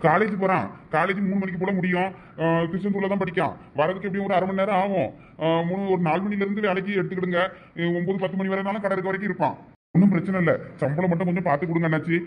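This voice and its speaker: A man's voice: sits high, fairly even intonation, rapid-fire, dull audio, slight background noise. A man with a Thoothukudi Tamil accent pleading persuasively with a shopkeeper.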